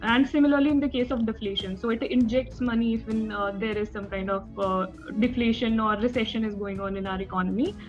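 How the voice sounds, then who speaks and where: Nervous and deferential, a young Indian-accented woman hesitantly answers as a formal interview candidate. She speaks a little fast with a steady tone, in a voice on the high side, barely pausing, while the dull, band-limited recording carries background music.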